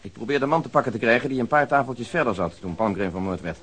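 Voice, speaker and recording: Radio play casting: critical, rule-minded detective, quick-talking, mid-pitched, curt. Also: male voice, lively intonation, a bit bright, slightly rough. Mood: brisk, defensive. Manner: brusque, matter-of-fact. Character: critical, by-the-book male police detective, brusque. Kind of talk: Dutch radio drama acting.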